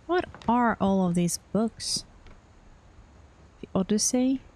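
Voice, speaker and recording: A woman's voice: medium pitch, slow pace, a little mellow. A young woman streaming a game, musing aloud with murmurs and casual reactions. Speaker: gaming streamer. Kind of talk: casual let's-play commentary.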